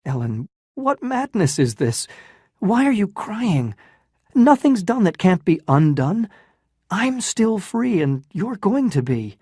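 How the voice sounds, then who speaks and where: A man's voice: medium pitch, expressive, unhurried, dark tone, no echo, clean studio sound. A man reading the part of a torn, earnest young man in a dramatized story reading, urgent and insistent.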